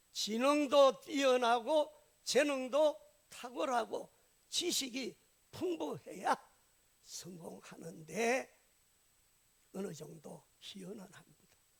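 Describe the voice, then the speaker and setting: A man with an extremely high pitch and very wide pitch swings speaks at a very slow pace, leaving long, frequent pauses. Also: big swings in loudness. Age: 70s. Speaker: pastor. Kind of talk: sermon.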